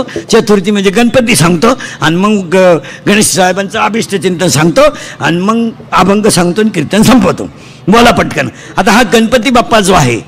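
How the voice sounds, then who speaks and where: A man preaching a comic devotional sermon to a live audience. He quizzes the crowd in quick call-and-response and tells rustic, teasing jokes. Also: high-pitched, a bit bright, slight background noise. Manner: joking, teasing, rustic storytelling. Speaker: kirtan preacher. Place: live religious gathering before an audience.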